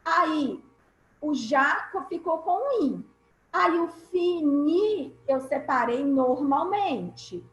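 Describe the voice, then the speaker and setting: A woman's voice: sits high, lively intonation, drawn-out words. A woman teacher with a Brazilian Portuguese accent, giving an online class over a video call, patient and explaining step by step with repeated key points. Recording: echoey room.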